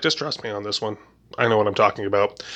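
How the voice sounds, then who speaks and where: Putting on a character voice, a man speaks very fast in a raspy, breathy, fairly low-pitched tone. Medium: actual play.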